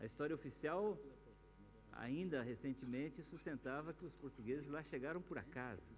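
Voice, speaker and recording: A man at a moderate pace, fairly high in pitch, with vocal fry and ordinary pitch variation. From Brazil, Paraná interior. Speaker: author and journalist. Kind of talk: public Q&A talk. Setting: theatre stage with audience.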